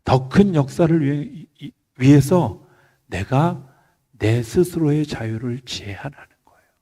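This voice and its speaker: A male pastor delivers a Friday night sermon in church. His voice is husky and mellow, climbing to loud emphasis and then dropping to near-whispers. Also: fairly high pitch, animated, measured pace.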